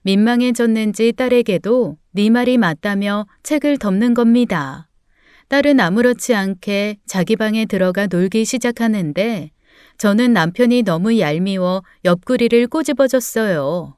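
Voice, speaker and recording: A woman's voice: mid-range voice, moderate pace, darkish tone, clear, resonant tone, no room sound, studio quality. A woman narrating a true-life story in the first person for a radio-style reading, in a confessional manner. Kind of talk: scripted story narration with acted dialogue.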